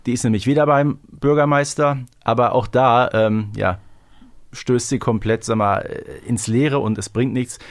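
A man's voice: medium pitch, fairly even intonation, normal speed, no room sound, studio quality. A man co-hosting a casual review podcast, wry and given to mock-dramatic asides. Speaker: podcast co-host.

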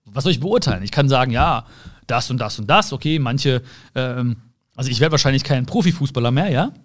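A man's voice: mid-range voice, lively intonation. Earnest man giving a motivational talk. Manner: earnest, swings between soft slow words and quick asides; addresses the listener directly with repeated phrases. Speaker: motivational speaker. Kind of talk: motivational monologue.

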